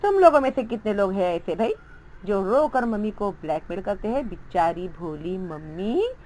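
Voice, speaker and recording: A woman's voice: medium pitch, very animated, normal speed, warm tone, slight background noise, rough recording. A woman teacher explaining a Hindi textbook story, reading its lines aloud and acting out the children's voices.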